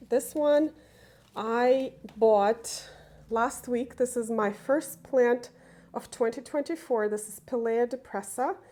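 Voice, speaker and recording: A woman chatting casually through a tour of her indoor plant room, unhurried and enthusiastic, with small laughs and fillers. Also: medium pitch, warm tone. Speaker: plant vlogger.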